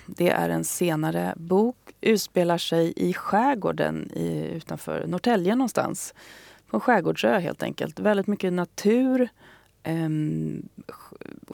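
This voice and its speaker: A woman's voice: fairly low pitch, vocal fry, a little mellow, no room sound. A woman talking casually on the radio as a guest recommending a book, hesitant, with many fillers and restarts.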